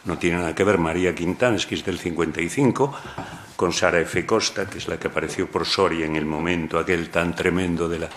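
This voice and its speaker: A translator and anthologist from Galicia, Spain, speaks wryly on a panel at a poetry event in a university lecture hall, joking and digressing. His voice is deep, brisk, and a bit bright, with slight background noise.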